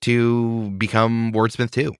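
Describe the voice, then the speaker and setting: A man's voice: medium pitch, monotone, slow pace, clean tone, no room sound, studio quality. A man in his thirties, a podcast host and game master, talking in a reflective, thinking-aloud way in casual chat. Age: 30s.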